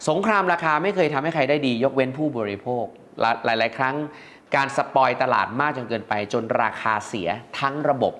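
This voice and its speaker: A man's voice: mid-range voice, a bit bright. A middle-aged man hosting an educational program, explaining point by point to viewers in a chatty, polite way. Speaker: host.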